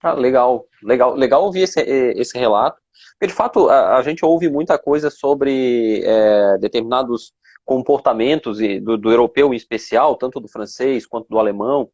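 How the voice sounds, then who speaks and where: A Brazilian man hosting a live chat, halting and full of fillers. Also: medium pitch, a little mellow, dry recording, lo-fi sound. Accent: Brazilian Portuguese.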